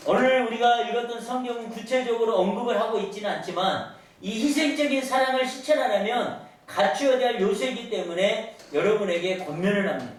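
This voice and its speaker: High-voiced male pastor in an echoey church. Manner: storytelling with rhetorical questions to the congregation. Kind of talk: sermon. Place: large church sanctuary. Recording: echoey church hall, voice from far off.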